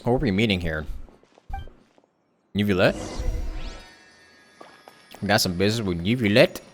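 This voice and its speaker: A man's voice: fairly low pitch, normal speed. A man streaming a video game and giving casual, off-the-cuff reaction commentary. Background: game music.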